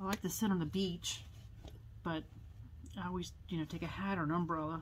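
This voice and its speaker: A woman talks at a fairly quick pace with fairly even intonation. Her fairly low voice carries vocal fry. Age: 60s. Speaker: potter. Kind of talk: tutorial. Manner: casual, chatty.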